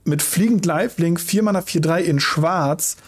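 A man's voice: fairly high pitch, normal speed, husky. A man co-hosting a casual podcast, explaining card game rules in detail with dry ironic asides. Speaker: podcast co-host. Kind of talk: casual podcast chat about card games.

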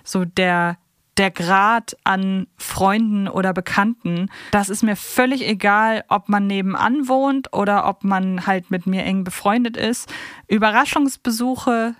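A woman's voice: medium pitch, unhurried, no room sound, clean studio sound. A woman co-hosting a podcast, chatting casually and giving her own opinions candidly. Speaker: podcast co-host.

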